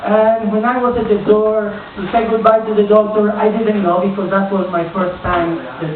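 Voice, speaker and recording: Colombian man doing halting stand-up. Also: high-pitched, flat delivery, crowd noise. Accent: Colombian Spanish. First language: Spanish. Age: 40s. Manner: halting, searching for words, many restarts. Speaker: stand-up comedian. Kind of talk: stand-up comedy set. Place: small comedy club. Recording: echoey tinny club recording from far off. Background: audience laughter.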